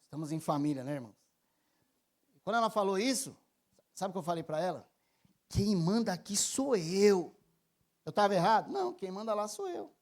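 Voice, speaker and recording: High-voiced Brazilian pastor in his thirties preaching; moves from quiet personal stories to loud, emphatic appeals. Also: sing-song, fast talker, pauses often. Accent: Brazilian Portuguese. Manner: personal storytelling, swings from soft confession to loud emphatic preaching. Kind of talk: sermon.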